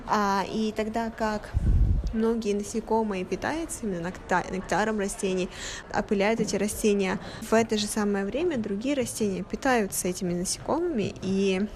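A woman radio host chatting on a museum tour, lively and curious and asking her companion questions. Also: mid-range voice, background noise. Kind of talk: casual chat on a museum tour. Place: museum exhibition.

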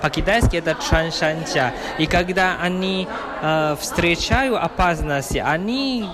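Slow-speaking man, higher voice. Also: a crowd in the background. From Taiwan. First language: Atayal. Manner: slow, searching for words. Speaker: co-host. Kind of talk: casual chat on a museum tour. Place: museum exhibition.

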